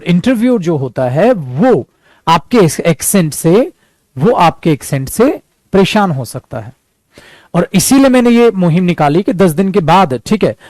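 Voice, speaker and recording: A man's voice: high-pitched, darkish tone, no room sound. Indian man teaching spoken English. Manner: explains in Hindi and repeats English example sentences slowly; encouraging, calls students "beta".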